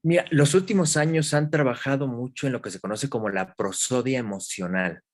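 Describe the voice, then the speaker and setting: A man, a guest expert in an interview, explaining calmly with examples and questions to the listener. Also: mid-range voice, brisk. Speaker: guest expert in human development.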